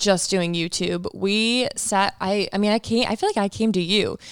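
A woman with a normal speaking voice in an American accent, at medium pitch, with fairly even intonation and a fairly slow pace. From Michigan. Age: 20s. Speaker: podcast co-host. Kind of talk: casual chat.

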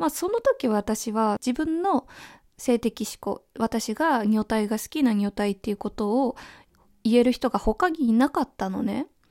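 A woman's fairly high, calm voice with lively intonation at a fairly slow pace, dry and close with no echo on a very clean recording with a silent background. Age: 20s. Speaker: podcast host. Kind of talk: solo monologue.

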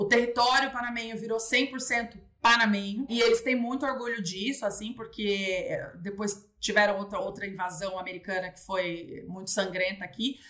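A woman with a São Paulo accent talks at a moderate pace with ordinary pitch variation and big swings in loudness, over noticeable background noise. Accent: Brazilian Portuguese (Paulista). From São Paulo, Brazil. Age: 30s. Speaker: expat worker living in Panama. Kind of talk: casual interview conversation.

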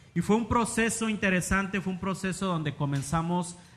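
A man speaks over noticeable background noise. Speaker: missionary preacher. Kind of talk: sermon.

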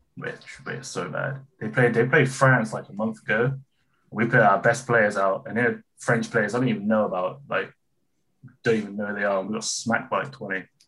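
A man with a West Country accent talks at a fairly quick pace in a medium-pitched, bright and sharp voice with ordinary pitch variation. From West of England. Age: 20s. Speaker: podcast listener. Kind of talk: casual interview. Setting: video call.

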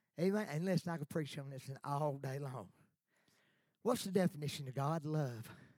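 A man talks with an American accent at a moderate pace. His pitch is fairly high. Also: ordinary pitch variation. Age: 60s. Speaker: pastor. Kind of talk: sermon. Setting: church. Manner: animated.

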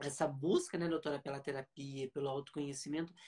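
A man speaks with a somewhat breathy voice in a dry, close recording with no echo. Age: 20s. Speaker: podcast host and therapist. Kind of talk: live-streamed interview. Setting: Instagram live stream.

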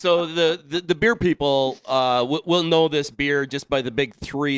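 Speaking with a Wisconsin accent, a man uses a fairly high pitch with ordinary pitch variation and hardly any pauses. The sound is dry and close, with no echo. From US Midwest, Wisconsin. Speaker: beer enthusiast and engineer. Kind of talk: casual chat. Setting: studio. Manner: talkative.

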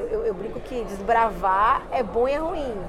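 A woman's fairly high voice amid crowd noise in the background, with audible room echo. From Brazil, Salvador (Bahia). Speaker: sales consultant and speaker. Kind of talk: casual interview. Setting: at a trade show. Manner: animated.

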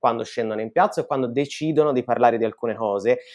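The sound is dry and close with no echo. A man with an unremarkable speaking voice talks at a fairly quick pace. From Tuscany, near Florence. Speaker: podcast host. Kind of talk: casual chat.

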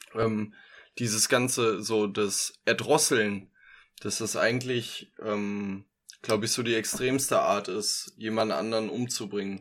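Speaking very slowly, the man stays at a medium pitch. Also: fairly even intonation. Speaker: true crime podcast co-host. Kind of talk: casual chat. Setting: video call. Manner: soft.

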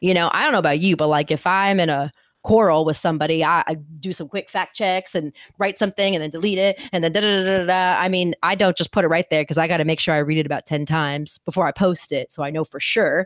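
Against a quiet background, a woman with a fairly low pitch talks at a very fast pace. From Houston, Texas. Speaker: behavior analyst. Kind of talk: casual chat; lecture.

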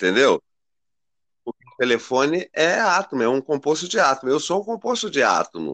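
A man's fairly high voice with vocal fry and very wide pitch swings, at a moderate pace, in a dry, close sound with no echo. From Rio de Janeiro, Brazil (Ilha do Governador). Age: 60s. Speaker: actor and poet. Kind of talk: interview storytelling.

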